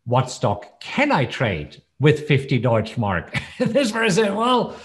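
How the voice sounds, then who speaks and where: A man's voice: on the high side, wildly swooping pitch, unhurried. A man in his fifties with a German accent, a native German speaker, telling personal stories conversationally as an interview guest. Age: 50s. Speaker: trading educator, interview guest.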